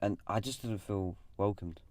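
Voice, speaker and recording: A man's voice: lowish voice, normal speed, no room sound. Young North London man, bantering. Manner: teasing, animated, puts on mock voices. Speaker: podcast co-host. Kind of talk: casual banter.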